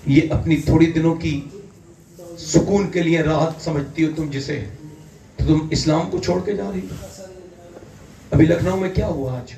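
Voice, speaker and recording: A man from India preaching an impassioned sermon, fervent and building to loud emphatic peaks. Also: a little high, long pauses. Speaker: Islamic preacher. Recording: echoey hall, distant mic, faint ambience.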